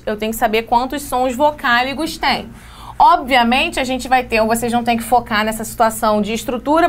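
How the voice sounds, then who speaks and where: A Brazilian woman with a high, bright voice teaches an exam-prep English class. She walks through each rule one step at a time and keeps checking that her students are following. Her voice is recorded close to the mic. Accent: Brazilian Portuguese. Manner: explains step by step, lots of checks like "beleza?" and "ó".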